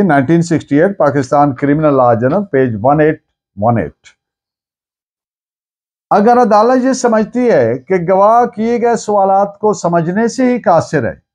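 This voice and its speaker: A man with a Pakistani accent giving an explanatory law lecture, deliberate and restating key points in other words. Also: high-pitched, darkish tone. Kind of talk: explanatory lecture with dictated case citations.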